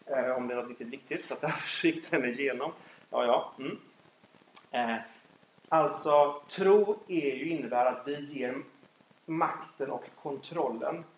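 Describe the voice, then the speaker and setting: A man giving a Christian talk, telling a story from family life with lively, animated delivery. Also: medium pitch, slight background noise. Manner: animated storytelling, acts out scenes. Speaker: Christian speaker. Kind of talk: faith talk with personal story. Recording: echoey room.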